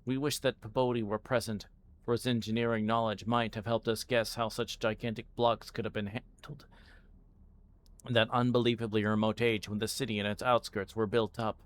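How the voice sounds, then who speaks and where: A man reading a story aloud live in audiobook style, halting now and then and stumbling over words. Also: fairly low pitch, flat delivery.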